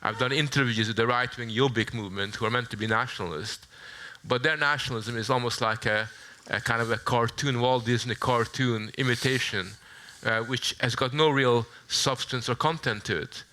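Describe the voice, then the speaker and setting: A man originally from Hungary speaking as a panelist in a public debate, measured and emphatic, repeating words for stress. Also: medium pitch, fairly even intonation, pushed and bright.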